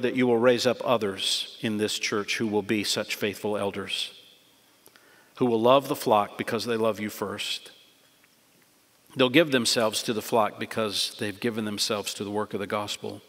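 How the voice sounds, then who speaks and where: A man's voice: lowish voice, fairly bright tone. A middle-aged man preaching earnestly from a church pulpit, closing with a prayer. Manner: earnest, emphatic preaching with repeated phrases. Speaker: pastor. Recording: long church hall reverb.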